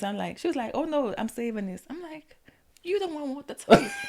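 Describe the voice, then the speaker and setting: A woman talks at a very fast pace in a high pitch with very wide pitch swings. Noticeable background noise is present. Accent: New Orleans. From New Orleans, Louisiana. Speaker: business owner. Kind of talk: casual interview.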